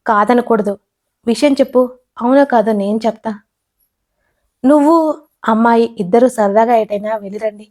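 A woman's voice: a little high, fairly even intonation, normal speed, pauses often, dark tone, natural voice. A woman voicing a shrewd old grandmother who coaxes her grandson in a storybook audio tale. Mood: coaxing. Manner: coaxing, affectionate.

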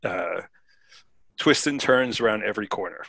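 A man's voice: lowish voice, lively intonation, normal speed, creaky, a bit bright, breathy edge, no echo. A middle-aged man on a headset in a video call, chipping in casually as a podcast co-host. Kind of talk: casual chat, short interjections. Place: room, indoors on a video call.

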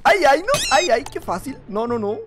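Casting: woman gamer, slightly hoarse, lively swooping pitch, teasing and laughing, faint music behind. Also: normal speed. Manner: excitable, laughing, teasing other players. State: slightly hoarse from just waking up. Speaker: gaming YouTuber. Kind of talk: Minecraft gameplay commentary.

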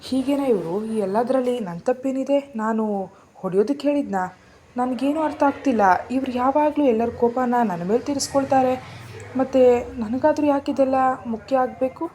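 A woman voicing a spirited, outspoken young woman in a storybook reading, talking high and exclamatory. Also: brisk, dark tone, a little hiss or hum, lightly acted. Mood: indignant.

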